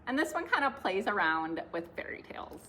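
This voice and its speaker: A woman's voice: mid-range voice, sing-song, brisk, pushed and bright, slight background noise. A young woman, a children's librarian, leading a class video with book picks, clapping games and finger-play songs in a cheerful sing-song way.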